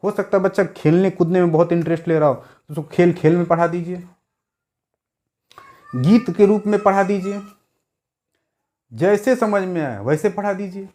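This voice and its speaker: Guy teaching an exam prep class, kinda high voice, keeps repeating stuff and asking questions back at you. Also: moderate pace, pauses often, dark tone. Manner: repeats key words, asks the class rhetorical questions.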